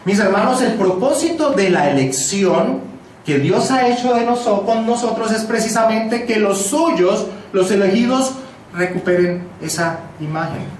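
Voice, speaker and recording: A man's voice: sits high, expressive, unhurried, a little hiss or hum. A man preaching an expository sermon as pastor, emphatic and repeating key phrases for stress. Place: church sanctuary. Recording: echoey church hall, mic from a distance.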